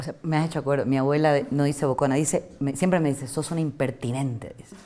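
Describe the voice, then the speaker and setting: Over noticeable background noise, a woman talks at a very fast pace. Her pitch is very deep and low, and her intonation fairly even. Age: 40s. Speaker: feminist activist and university lecturer. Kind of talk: interview. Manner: loud.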